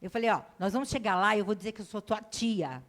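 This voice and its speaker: A woman's voice: medium pitch, fast. A middle-aged woman missionary preaching in a church, telling a personal story and acting out the dialogue for the congregation. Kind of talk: sermon storytelling.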